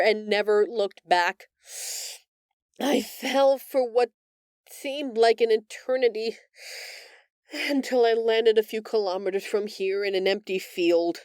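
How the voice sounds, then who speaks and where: A gentle alien woman played by a female voice actor speaks slowly and earnestly in an intimate roleplay monologue. She sounds remorseful and empathetic, hesitating with feeling, in a very dry, close recording. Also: medium pitch, clean tone, no room sound, natural voice. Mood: wistful. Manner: earnest, hesitant, emotional, with sighs and pauses.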